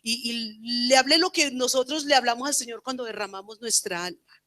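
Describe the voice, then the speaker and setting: A middle-aged woman preacher shares her testimony in an earnest voice with a bright, clear edge. She rises into loud, fervent prayer and drops to hushed, quiet passages. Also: a little high, a little fast. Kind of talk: personal testimony sermon. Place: church women's camp gathering.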